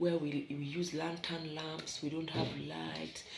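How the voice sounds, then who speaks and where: With a Kenyan accent, a woman talks fairly slowly in a very deep, low voice, her intonation monotone and flat, with audible room echo. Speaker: vlogger. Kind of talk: casual vlog monologue.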